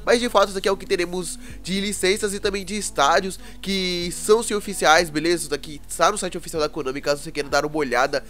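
Young man, Brazilian accent, congested, hoarse, rapid chatty gaming commentary, soft music bed. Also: high-pitched, steady tone. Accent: Brazilian Portuguese. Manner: chatty, keeps asking the viewers "né, cara?". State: congested nose, hoarse with a cold. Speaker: gaming YouTuber. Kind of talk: casual gaming news commentary.

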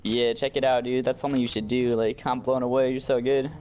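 A man's voice: medium pitch, flat delivery, a little fast, a little mellow, faint music behind. Laid-back young guy on voice chat. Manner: laid-back, effusive, says bro and dude. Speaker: random teammate. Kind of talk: casual gaming chat.

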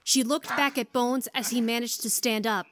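Slightly high-voiced woman narrator. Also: fairly even intonation, normal speed, a little hiss or hum. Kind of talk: scripted story narration.

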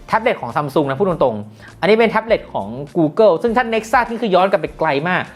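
A young woman chatting excitedly through a casual gadget unboxing review, full of exclamations. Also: fairly low pitch, a little fast, faint music behind. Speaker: tech reviewer.

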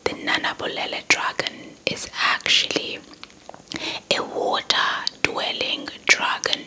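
A young South African woman whispers an ASMR folktale into a close handheld mic, breathy, repeating soft words. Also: slow pace, low-quality recording. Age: young adult. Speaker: ASMR storyteller. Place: indoors, in front of a dark cloth backdrop. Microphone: small handheld lavalier mic with windscreen, held close.

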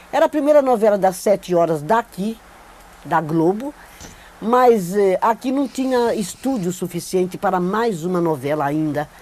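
Seated before a plain backdrop in an indoor studio, a veteran Brazilian actress, older now, gives a recorded oral-history testimony about her career. Her mid-range voice is warm, and she speaks animatedly, repeating points for emphasis. She wears a clip-on lapel mic.

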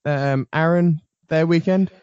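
A man's voice: on the high side, steady tone, a little slow, a little mellow, clear, resonant tone, no room sound, highs cut off. A man hosting a casual motorsport panel chat, rambling with frequent ums and restarts. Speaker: podcast host.

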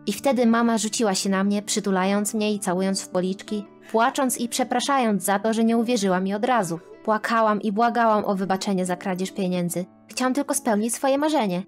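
Female narrator for a first-person animated story, expressive and dramatic, middle pitch, faint music bed. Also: a little fast, few pauses. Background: faint background music.

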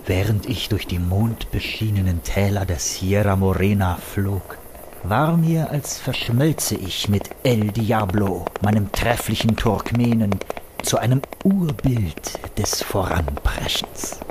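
A man tells his own swashbuckling tale as a radio-play narrator. He is pompous and flowery, speaking slowly in a lowish voice over noticeable noise. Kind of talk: scripted first-person narration in a comic swashbuckler radio play. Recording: clear background noise.

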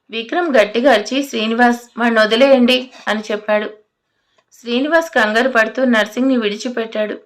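A woman telling a scripted audio story in a dramatic way, voicing the characters' lines herself. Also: on the high side. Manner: dramatic, voices the characters' threats and shouts herself.

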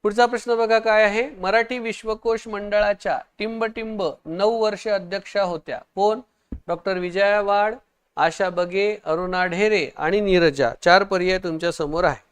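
A man teaching an online exam-prep lesson, quizzing viewers, urging quick answers and praising their comments. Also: sits high, steady tone, smooth.

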